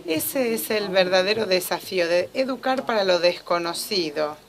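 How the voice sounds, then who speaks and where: A woman working as a simultaneous interpreter, rendering a lecture in a steady, fluent delivery with occasional restarts. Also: mid-range voice, moderate pace.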